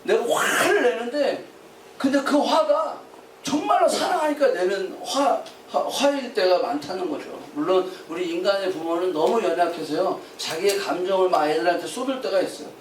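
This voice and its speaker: Male pastor, sermon, high voice, questions the congregation, echoey church hall, mic at a distance. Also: expressive, normal speed, a little hiss or hum. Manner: questions the congregation, calls for responses. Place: church sanctuary.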